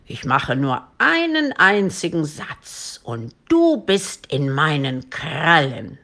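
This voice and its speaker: A woman doing a gruff threatening dragon. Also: wildly swooping pitch, takes it slowly, fairly bright tone, heavily acted. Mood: menacing. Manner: low, growling, menacing. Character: big menacing male dragon, gruff and threatening.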